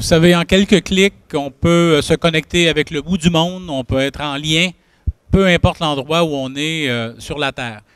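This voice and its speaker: A man's fairly high voice with a slight Quebec accent, fairly slow pace and ordinary pitch variation. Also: dry, close sound with no echo. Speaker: business representative. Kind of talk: panel discussion. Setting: stage with audience.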